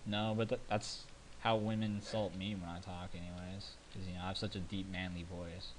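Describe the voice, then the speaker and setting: Joking American let's play host. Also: male voice, deep voice, flat delivery, a little fast, a little hiss or hum. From United States. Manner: joking, rambling, playful. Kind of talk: casual gameplay commentary. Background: keyboard clicking.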